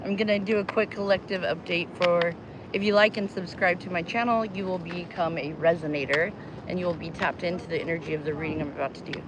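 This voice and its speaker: A woman from New Mexico, her voice lowish and steady and her pace quick, chats on an outdoor live stream at the beach, greeting viewers and rambling between tarot readings. She's bubbly and talkative and laughs easily. The phone audio is swamped by loud wind and other outdoor noise.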